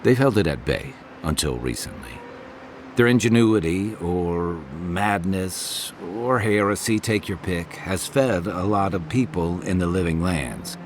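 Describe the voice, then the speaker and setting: An actor playing an easygoing, wry adventurer companion in a video game, teasing and reflective. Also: male voice, deep voice, measured pace, a little hiss or hum. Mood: thoughtful, wry. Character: easygoing wry male adventurer companion, weathered but good-humoured. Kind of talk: naturalistic video game dialogue.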